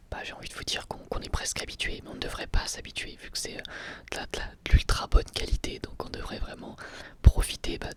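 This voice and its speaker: A man giving a whispered ASMR review, talking in a relaxed, rambling way with hesitant restarts. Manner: soft unvoiced whisper throughout.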